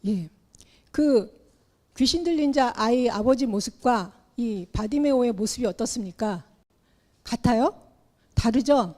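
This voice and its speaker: Woman preacher, middle-aged, animated sermon, fairly high voice, warm and mellow tone. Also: normal speed. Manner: animated, acts out the Bible characters in her telling.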